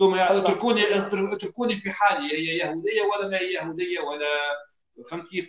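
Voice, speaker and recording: At a fairly quick pace, a man with a high pitch and ordinary pitch variation speaks against a quiet background with audible room echo. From Tunisia. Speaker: musician; guest. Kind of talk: casual chat. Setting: studio. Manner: halting. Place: home room. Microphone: video call.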